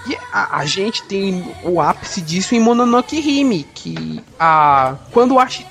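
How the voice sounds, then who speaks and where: A man with a Brazilian accent hosting a casual film podcast, rambling with many restarts and jokes. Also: high-pitched. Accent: Brazilian Portuguese. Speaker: podcast host and editor.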